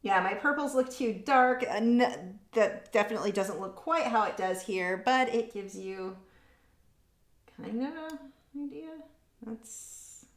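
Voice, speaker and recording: A woman's voice: a little high, expressive, unhurried, echoey room. A woman running a live painting lesson, chatting casually and reading out viewers' comments as she works. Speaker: art instructor. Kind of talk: live painting tutorial with chat.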